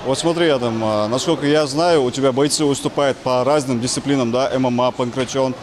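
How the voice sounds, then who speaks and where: Fast-talking reporter. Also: male voice, medium pitch, steady tone, noisy background. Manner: brisk, leading questions, often closing with a tag question. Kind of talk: news interview.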